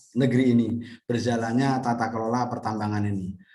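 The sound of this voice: A man speaks in a slightly mellow tone with fairly even intonation, and the room echo is audible.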